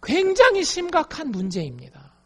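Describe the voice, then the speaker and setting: A woman's voice: high voice, moderate pace. A woman pastor giving a sermon, speaking straight to her congregation and acting out the quoted lines with strong feeling. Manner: expressive preaching, addresses congregation directly, acts out quoted lines. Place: church sanctuary. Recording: long echo of a church hall.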